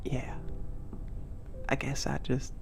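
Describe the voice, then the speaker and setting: A man's voice: slow, whispered, music in the background, natural voice. A man voicing a shy, lonely young male giant who speaks in folksy, hesitant phrases. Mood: wistful. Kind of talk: ASMR audio drama.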